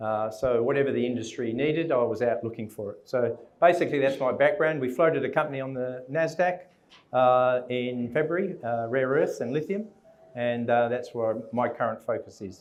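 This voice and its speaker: Music plays behind a man speaking with an Australian accent. His medium-pitched voice has ordinary pitch variation and a moderate pace. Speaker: mining company executive. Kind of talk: panel discussion.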